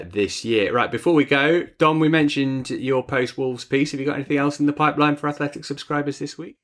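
A man's voice: medium pitch, a bit bright. A man presenting a casual football podcast as host, chatty and lightly self-deprecating in a jokey way.

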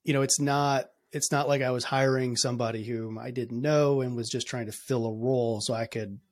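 A man of middle pitch speaks as a podcast guest. He sounds keen, yet he often breaks off and restarts his sentences. His pauses are filled with hesitations as he works toward his point. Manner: halting, many restarts and fillers, energetic. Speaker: podcast guest, company founder. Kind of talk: conversational podcast interview.

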